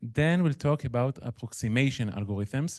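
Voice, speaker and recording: A man with an Israeli accent, a dark, mellow tone and ordinary pitch variation, at a moderate pace over a quiet background. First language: Hebrew. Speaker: machine learning consultant. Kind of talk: technical talk.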